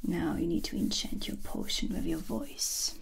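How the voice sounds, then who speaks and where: A woman playing a dry, cautioning witch who teaches potions, in a hushed ASMR roleplay. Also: on the low side, big pitch swings, vocal fry, breathy edge, heavily acted. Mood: instructing. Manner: measured, hushed, instructing. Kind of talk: whispered cinematic ASMR roleplay. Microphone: close ASMR microphone.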